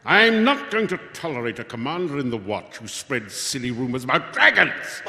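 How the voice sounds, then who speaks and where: An imperious palace official in a radio play. His voice is curt, gravelly and very forceful, echoing around a hall. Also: mid-range voice, very animated, normal speed, full character voice. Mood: angry, imperious. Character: officious, angry male palace secretary. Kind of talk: live radio play acting. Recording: echoey live stage hall.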